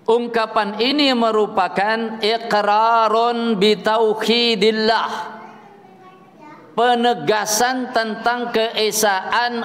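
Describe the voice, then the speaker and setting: A man's voice: high-pitched, fairly bright tone. A man preaching a sermon to a congregation with a Javanese accent, chatty and joking, slipping into Javanese asides. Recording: long hall reverb.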